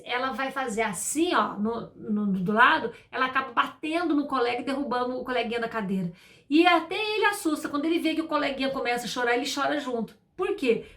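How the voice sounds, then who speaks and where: A woman's voice: high-pitched, a bit bright. A middle-aged woman educator with a Brazilian Portuguese accent, giving emphatic advice to parents and repeating her key points. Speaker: school educator. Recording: echoey room.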